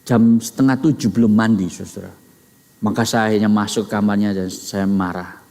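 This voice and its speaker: A middle-aged man preaching a sermon, swinging between high emphatic peaks and low quiet asides, addressing his listeners as brothers and sisters. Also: fairly even intonation, normal speed. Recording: long hall reverb.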